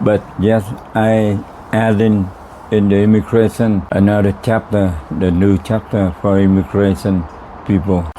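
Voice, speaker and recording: With a Vietnamese accent, a man speaks fairly slowly in a fairly low pitch, his intonation fairly even and his loudness very even, over noticeable background noise. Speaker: homeless man. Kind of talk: interview.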